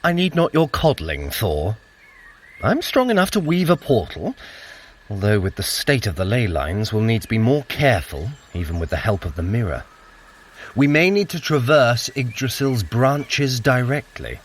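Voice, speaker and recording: An actor playing a proud, sardonic, scheming trickster god in a scripted audio drama, with dry sarcasm and theatrical formal diction. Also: male voice, medium pitch, sing-song, moderate pace. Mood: proud, prickly.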